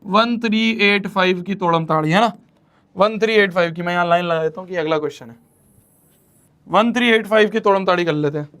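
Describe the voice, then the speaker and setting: A man's voice: high-pitched, a little fast, fairly bright tone. A young man teaching a maths class in a playful, teasing way, repeating his questions to the students. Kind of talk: online class lecture.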